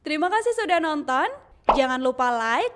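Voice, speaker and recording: A woman giving a short channel sign-off in a bright, lilting way. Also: high voice, lively intonation, moderate pace.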